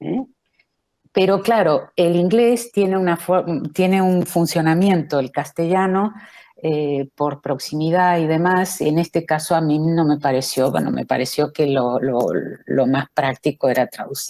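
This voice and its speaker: On a very clean recording with a silent background, a woman with a dark, mellow tone and fairly low pitch speaks at a fairly slow pace with ordinary pitch variation. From Argentina, Greater Buenos Aires. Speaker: literary translator. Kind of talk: talk at a panel discussion. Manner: halting, with many repetitions and fillers.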